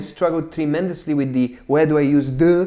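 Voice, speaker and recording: Using a fairly high pitch and fairly even intonation, a man with a non-native accent speaks in a dark, mellow tone. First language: not English. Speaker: public speaking coach. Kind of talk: one-on-one speech coaching session.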